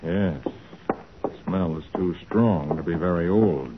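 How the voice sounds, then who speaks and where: An actor playing a confident, shrewd private detective in a deliberate, commanding 1940s radio style. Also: male voice, low-pitched. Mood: calm, assured. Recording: muffled, hissy 1940s radio recording.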